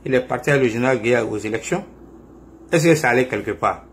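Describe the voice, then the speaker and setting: A man's voice: medium pitch, quick pace, slight background noise. A man giving a confrontational political monologue, taunting his listeners with rhetorical questions and emphatic repetition. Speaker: political commentator.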